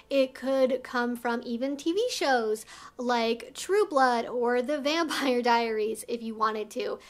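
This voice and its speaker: A woman with a somewhat high, fairly bright voice hosts an explanatory educational vlog. She addresses viewers in an articulate, conversational way and explains things carefully.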